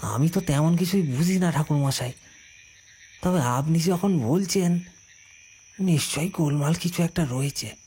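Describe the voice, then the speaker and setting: A man's voice: fairly high pitch, a little slow, long pauses, dark tone, slight background noise, lightly acted. A man playing a humble young village farmer. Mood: deferential. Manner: respectful, hesitant, stammers when afraid.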